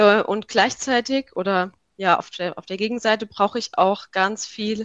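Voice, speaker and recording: A woman speaks in a plain, everyday voice with fairly high pitch. The sound is dry and close, with no echo. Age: 30s. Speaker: mother, program participant. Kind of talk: interview.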